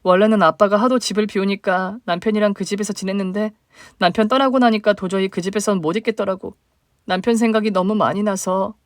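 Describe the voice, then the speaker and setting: A woman's voice: mid-range voice, fairly even intonation, a little fast, no room sound, clean studio sound, lightly acted. A woman voicing a hurt young single mother, the younger sister, speaking plaintively in a dramatized story. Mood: weary. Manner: plaintive, emotional questioning.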